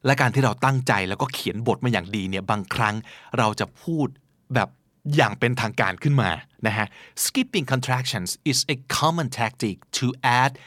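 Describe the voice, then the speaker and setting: A man's voice: mid-range voice, no room sound, studio quality. A man hosting a podcast, explaining words in a casual way and acting out playful examples. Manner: lively, teaching English words with playful acted examples. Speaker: podcast host.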